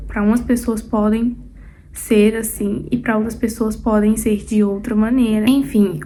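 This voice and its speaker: A young Brazilian woman with a Brazilian Portuguese accent, tutoring for a Spanish exam in a casual, chatty way, often pausing on fillers and restarting her sentences. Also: a little high, warm tone, slight background noise. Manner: chatty, loose, with frequent hesitation fillers and restarts. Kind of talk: casual explanatory talk to camera.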